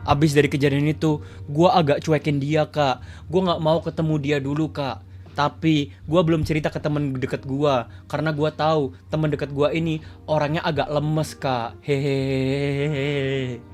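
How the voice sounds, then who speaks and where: A man's voice: fairly high pitch, flat delivery, moderate pace, darkish tone, faint music behind. A man streaming live, reading viewer confessions aloud in a chatty, teasing way. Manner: chatty, teasing asides to chat. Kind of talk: casual livestream reading.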